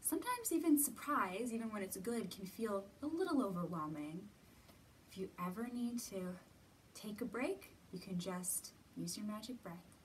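A woman in her thirties gently guiding young children through a lesson, asking simple encouraging questions and pausing often. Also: medium pitch, expressive. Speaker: children's storytime host. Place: indoor library room with bookshelves. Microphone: camera a few feet away. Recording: distant mic, roomy ambient noise.

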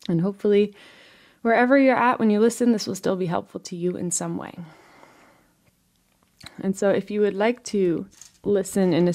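A woman leading a guided relaxation, giving soft, unhurried instructions in a gentle, soothing manner with frequent pauses between phrases. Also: mid-range voice.

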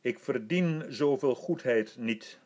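A man's voice: medium pitch, slow, darkish tone, lightly acted. A man reading an audiobook, voicing a humble, earnest young court physician who speaks modestly.

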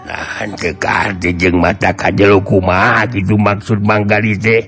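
A man voicing an old mystic master in a radio drama, halting and resigned, with a Sundanese accent. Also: lowish voice, level tone, fairly bright tone, husky, faint music behind, voice pushed down. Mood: questioning.

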